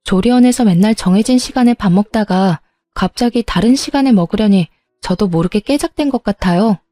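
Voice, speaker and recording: A woman narrating a dramatized story in a calm, steady manner and voicing herself in it. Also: medium pitch, brisk, no echo, soft background music.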